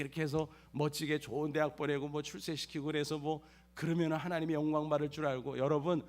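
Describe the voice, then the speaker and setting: A man's voice: fairly high pitch, darkish tone. A man in his fifties, a pastor telling a personal family story in a sermon with emphatic repetitions and acted dialogue. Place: church sanctuary.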